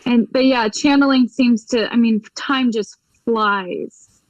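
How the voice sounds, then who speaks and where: A woman with a slightly high voice tells a personal story as an interview guest, acting out each exchange vividly. She speaks as a medium recounting her experiences. The sound is dry and somewhat dull. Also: slow, dry recording. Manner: vivid storyteller, acts out quoted dialogue, laughs often.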